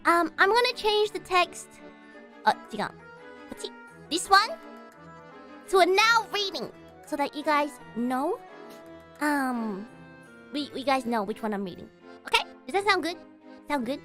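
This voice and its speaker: A female streamer chats casually on a live stream in a high, sing-song voice, speaking a little slowly with frequent pauses and a sharp tone. She giggles, rambles, and checks her audio settings out loud while faint music plays behind her. Her mic is heavily compressed, with added reverb.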